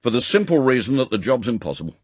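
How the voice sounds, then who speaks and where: A man voicing a gruff, impatient elderly spy chief, brusque and authoritative, in an audiobook. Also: medium pitch, sing-song, fast, dry recording, voice pushed up. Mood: brisk, commanding. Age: older. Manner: brusque, authoritative, clipped commands. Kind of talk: audiobook character acting.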